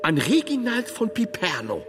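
An actor playing a solemn, awestruck medieval monk and thinker in a radio drama, grave and breathy with dramatic pauses. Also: male voice, high-pitched, wildly swooping pitch, music in the background. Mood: astonished. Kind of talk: radio drama acting in German.

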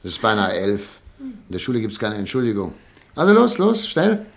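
A man's voice: lowish voice, wildly swooping pitch, moderate pace, gravelly, no room sound, heavily acted. An actor playing a thoughtful, anxious doctor and father of thirty-nine in a radio drama, speaking earnestly and articulately. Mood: cheerful, fatherly. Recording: noisy old radio play recording.

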